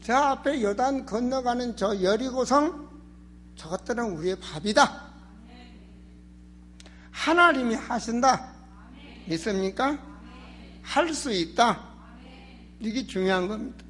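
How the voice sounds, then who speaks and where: A man's voice: very high voice, expressive, takes it slowly, long pauses, a bit bright, a little hiss or hum. A man preaching a sermon as a pastor, emphatic and exhorting, with rhetorical questions and a strained, sore throat. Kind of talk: sermon in Korean church.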